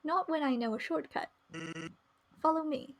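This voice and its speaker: A woman's voice: high voice, moderate pace, a little hiss or hum. A woman voicing a laid-back, joking male skeleton in a game, casual, teasing and reassuring. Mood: easygoing, teasing.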